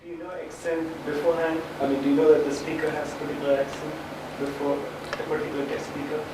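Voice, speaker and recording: A man's voice: fairly high pitch, level tone, quick pace, far from the mic. A man probing a technical point from the audience, rephrasing his questions as he goes. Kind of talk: technical discussion from the floor. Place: room, speaking from audience away from mic. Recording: very echoey, off-mic, noisy room.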